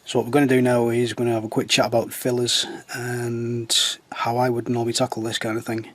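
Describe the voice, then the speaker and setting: A man, croaky from a sore throat, chatting casually and rambling a little as he explains model-building techniques. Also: mid-range voice, monotone, fairly quick, no room sound. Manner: rambling, self-mocking, chatty. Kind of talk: casual how-to chat. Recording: noisy with crinkling sounds.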